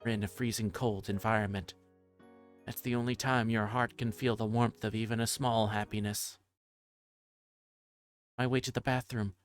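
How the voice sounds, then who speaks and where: A man reading game text aloud and commenting casually as he streams a visual novel. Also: on the low side. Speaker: livestreamer playing a visual novel.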